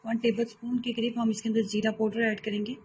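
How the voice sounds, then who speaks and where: Woman, cooking host, recipe voice-over, flat even delivery, mellow tone, faint background hiss. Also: a little high, fast. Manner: steady, explanatory, repeats steps.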